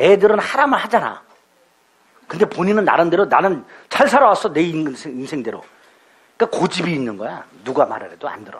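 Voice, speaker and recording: A high-pitched man talks with very wide pitch swings. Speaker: law lecturer for licensing exam. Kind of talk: lecture. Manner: fast; casual, conversational.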